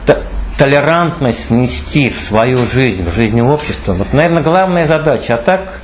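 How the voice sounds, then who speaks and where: A middle-aged man speaks off the cuff to a gathering, his pitch sitting in an ordinary middle range. He hammers his points with repetition and rises in pitch as he presses them. Faint noise hums behind him. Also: animated, moderate pace. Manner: emphatic, repeats phrases, pitch climbs when urging. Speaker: speaker at a political meeting. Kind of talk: impromptu public speech.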